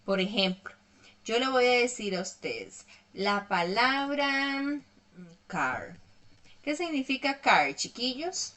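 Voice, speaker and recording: A woman's voice: a little high, measured pace, fairly bright tone. A woman teaching an online English lesson, explaining patiently step by step and checking in often with her students.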